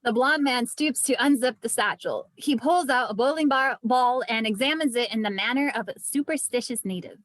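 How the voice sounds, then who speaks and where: A woman's voice: fairly high pitch, moderate pace, hardly any pauses, fairly bright tone, dry recording. A woman narrating scripted stage directions at a table read. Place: indoors, remote online read.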